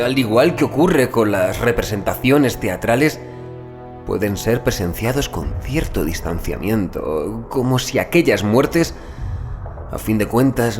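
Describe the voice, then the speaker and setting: A man's voice: medium pitch, sing-song, a little slow, darkish tone, soft background music. A man reading a first-person horror story as an audiobook narrator, in a grave, theatrical delivery.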